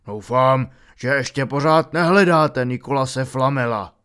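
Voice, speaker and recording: A man voicing a huge, gruff gamekeeper who speaks slowly and evasively, keeping things secret. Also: medium pitch, natural voice. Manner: slow, hushed, evasive.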